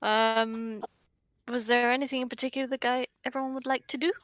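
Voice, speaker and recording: Bright-voiced woman game master. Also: a little high, level tone, brisk, dry recording, highs cut off. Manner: hesitant, many fillers. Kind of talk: narrating a tabletop game.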